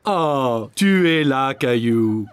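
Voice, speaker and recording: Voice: medium pitch, expressive, extremely slow, clean tone. An actor playing a kind, reassuring father in a children's cartoon. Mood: fatherly. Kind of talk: cartoon voice acting.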